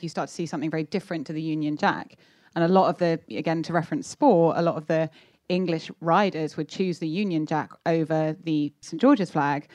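A woman's voice: deep voice, darkish tone, no echo. A Scottish woman on a panel, replying frankly and outspokenly. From Scotland. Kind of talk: panel discussion.

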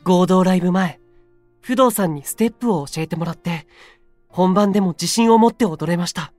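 A man's voice: high voice, normal speed, darkish tone, no room sound, faint music behind, lightly acted. A man playing a timid, earnest young man in a voice drama, polite, deferential and hesitant. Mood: shy, sincere. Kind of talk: Japanese voice drama acting.

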